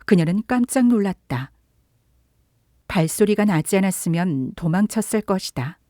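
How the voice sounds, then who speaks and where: A woman narrating a literary story for an audiobook in a calm, measured way. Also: medium pitch, dry recording, studio quality.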